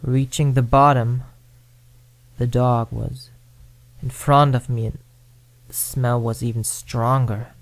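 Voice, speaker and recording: A man's voice: mid-range voice, little pitch movement, slow, pauses often, no room sound. A man narrating a first-person ghost story, dramatic and at times dropping to a whisper.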